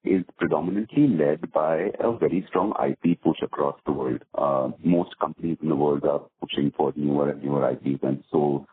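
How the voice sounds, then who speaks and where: Very deep, husky man on phone. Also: moderate pace, few pauses, dry recording. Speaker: business unit executive. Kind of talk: spontaneous corporate answer. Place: conference call. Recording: muffled narrowband phone line.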